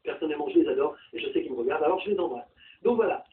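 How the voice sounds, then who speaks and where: Animated high-pitched man, thin phone-like sound. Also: rapid-fire, far from the mic. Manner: animated, colloquial, emphatic. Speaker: personal development coach. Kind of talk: promotional talk to camera introducing a course.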